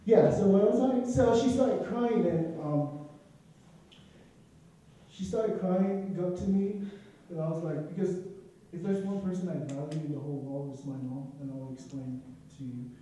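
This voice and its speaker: Speaking at a normal speed in a high, mellow voice, the young Nigerian student recounts a personal story to listeners with earnest emotion and occasional asides, his Nigerian accent clear. A faint hiss or hum sits under the audio, which is echoey and captured from a distance.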